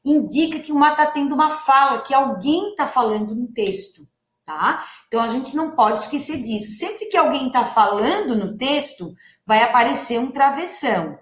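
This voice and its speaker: A woman's voice: sits high, animated, moderate pace, roomy sound. A woman teacher with a Brazilian Portuguese accent, giving a recorded lesson to young children, stretching out words and asking the class questions. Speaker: primary school teacher.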